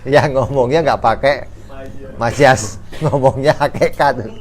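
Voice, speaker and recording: A man's voice: medium pitch, slow. A man teaching a casual religious study class, joking and acting out little dialogues. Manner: lively, joking, slangy, acts out dialogues. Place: study gathering room.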